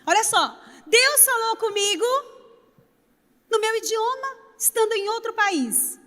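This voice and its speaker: A woman's voice: extremely high pitch, a little slow. A woman pastor preaching a sermon, telling stories and talking straight to the congregation. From Brazil. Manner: animated storytelling preacher, addresses congregation directly. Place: church sanctuary. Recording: long reverb of a church hall.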